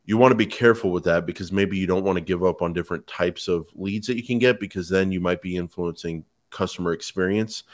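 A man in his thirties with a low voice talks as a podcast co-host. He explains his points conversationally, as if on a call from home. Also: fast talker, few pauses. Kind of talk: conversational explanation of online advertising. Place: home kitchen, indoors.

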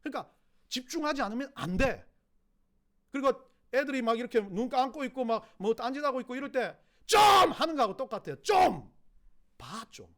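A middle-aged male pastor with a Gyeongsang Korean accent, preaching a sermon, swinging from loud emphatic cries to hushed low asides. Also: expressive, quick pace.

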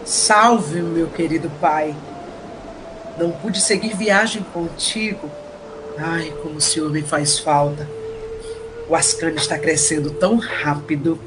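A man's voice: fairly high pitch, steady tone, unhurried, noisy background, close to an everyday voice. A man with a Brazilian accent playing a tender, grieving hero and proud father in a theatrical audio drama. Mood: tender, wistful. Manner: theatrical, sentimental.

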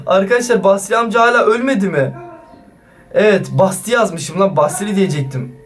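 A male YouTuber with a high voice runs a casual gaming vlog. He talks in an excitable, slangy way and keeps turning to his viewers. Faint music plays underneath.

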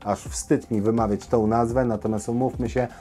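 A man hosting an informal news commentary, speaking directly to viewers in halting, opinionated phrases with pauses. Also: medium pitch, little pitch movement, dark tone, soft background music. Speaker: host of a camping news show.

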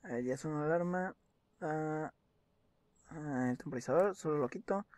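A man's voice: a little high, normal speed, darkish tone, no echo. A young man, commenting on a game as he plays, muttering and reading documents aloud with joking asides. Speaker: gaming video host. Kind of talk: gameplay commentary.

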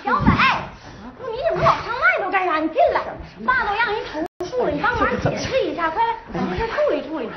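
A woman, playing a hurried daughter in a stage comedy sketch. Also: very high voice, animated, lo-fi sound, very noisy. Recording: roomy, distant stage sound.

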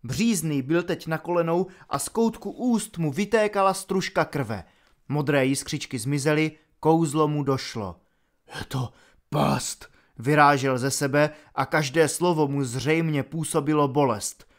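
A man reading an audiobook aloud in a measured, dramatic narrating style. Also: on the high side.

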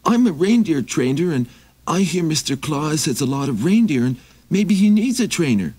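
A man voicing a poor, ragged young reindeer trainer who pleads politely in a high, quick, tumbling voice. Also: sing-song, a little mellow, breathy edge, no room sound. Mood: eager. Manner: pleading, fast tumbling words.

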